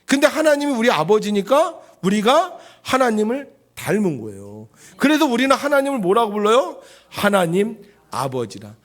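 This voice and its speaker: Animated high-pitched Korean pastor preaching. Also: male voice, normal speed. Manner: asks the congregation questions and answers them himself; swings between loud emphasis and soft low asides. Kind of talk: sermon. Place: church sanctuary.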